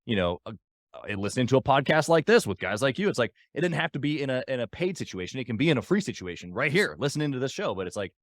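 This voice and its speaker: A man's voice: mid-range voice, big pitch swings, fast, no echo, studio quality. A man hosting a podcast interview, speaking in an enthusiastic, affirming, motivational way. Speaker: podcast host.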